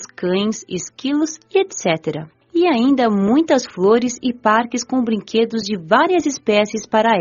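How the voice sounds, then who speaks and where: A woman with a Brazilian accent reading scripted first-person narration for an audiobook. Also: mid-range voice. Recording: muffled lo-fi audio with music.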